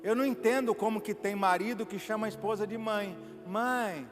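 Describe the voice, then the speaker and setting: A man's voice: high voice, steady tone, fast. A Brazilian man preaching a sermon as a pastor in a church, emphatic and pulling the congregation into call-and-response. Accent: Brazilian Portuguese. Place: church sanctuary. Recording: reverberant church hall with faint music.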